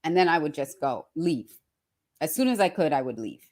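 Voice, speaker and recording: Lower-pitched woman telling her story emphatically. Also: lively intonation, normal speed, a little mellow. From born in Trinidad, raised in Australia from early childhood. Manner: emphatic, with repetition for effect. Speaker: personal branding speaker. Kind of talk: personal storytelling in a motivational talk.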